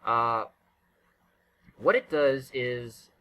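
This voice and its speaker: A man's voice: mid-range voice, extremely slow, bright, forceful tone, clean tone. A man giving casual, unscripted game commentary in a rambling, self-interrupting way. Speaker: gaming video creator.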